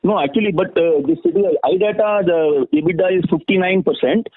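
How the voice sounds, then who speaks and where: A man asking questions as a caller on an earnings call, halting but persistent. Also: high voice. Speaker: investor or analyst caller. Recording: tinny, dry phone line.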